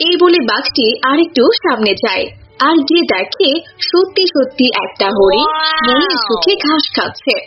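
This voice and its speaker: A woman reading scripted storybook narration for an animated animal tale. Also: high-pitched, moderate pace. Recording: muffled audio with music bed.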